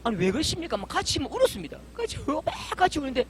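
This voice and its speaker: A man's voice: very high voice, huge pitch swings, racing, a bit bright, slight background noise. A middle-aged male pastor, preaching a fervent, emphatic sermon full of vivid stories.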